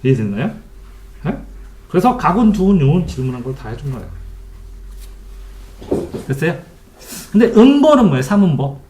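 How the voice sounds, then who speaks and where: A middle-aged man teaching an online class, his fairly high voice jumping up and down as he quizzes students again and again. The room has a noticeable echo, with keyboard typing heard now and then. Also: normal speed, long pauses, a little hiss or hum. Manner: lively, quizzing students with repeated questions. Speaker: Korean literature tutor. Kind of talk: online lecture answering student questions.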